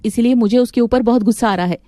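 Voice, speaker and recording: A woman doing a bossy cartoon wife, scolding, high-pitched, mellow tone. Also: quick pace, a little hiss or hum, natural voice. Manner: scolding, commanding. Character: bossy, hot-tempered young wife.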